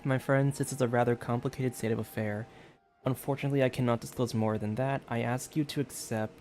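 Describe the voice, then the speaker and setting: A man who streams games, commenting casually and thinking aloud in a halting way. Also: mid-range voice, fairly even intonation, darkish tone, a little hiss or hum. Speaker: game streamer. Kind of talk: casual live game commentary.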